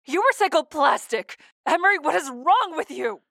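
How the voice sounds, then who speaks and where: A woman's voice: high voice, lively intonation, normal speed, gravelly, fairly bright tone, no echo, clean studio sound, exaggerated voice. A woman playing a grieving, short-tempered mother in an emotional audio drama. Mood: outraged.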